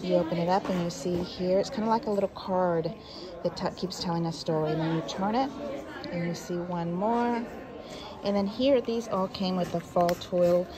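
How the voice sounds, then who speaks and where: Woman, craft vlogger, slightly low voice, chatty show-and-tell, handheld phone, big convention hall, constant crowd chatter. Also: normal speed. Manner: chatty, friendly, walking through each detail. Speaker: paper craft channel host.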